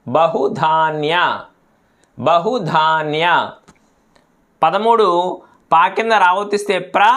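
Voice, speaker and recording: A man teaching reading, spelling out words syllable by syllable in a patient, slow lesson and repeating each finished word. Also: sits high, pushed and bright.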